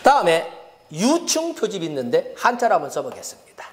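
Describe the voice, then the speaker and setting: A man's voice: high voice, huge pitch swings, a little fast, slight background noise. A middle-aged man giving an exam-prep lecture, repeating key terms as he writes them on the board.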